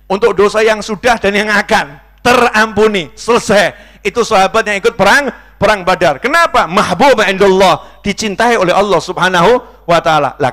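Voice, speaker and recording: A man preaching a sermon to a mosque congregation, jumping between loud raised exclamations and soft, low asides, with playful jokes for the listeners.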